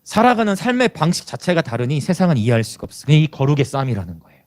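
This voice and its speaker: A man's voice: a little high, big pitch swings, quick pace. A male pastor preaching a sermon in an emphatic, exhorting, conversational way.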